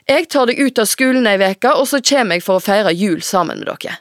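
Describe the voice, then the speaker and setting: A woman's voice: medium pitch, lively intonation, no echo, clean studio sound, voice pushed up, lightly acted. A woman voicing a worn-out middle-aged mother who speaks firmly while holding back anger, reading from her own novel.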